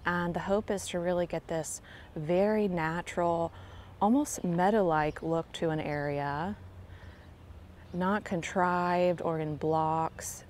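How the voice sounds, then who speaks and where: Woman, low voice, chatty garden tour vlog, phone mic outdoors, faint ambience. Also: a little hiss or hum. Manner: gentle, enthusiastic, chatty. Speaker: garden vlogger giving a tour. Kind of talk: casual walking garden tour. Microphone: handheld phone camera, filming while walking.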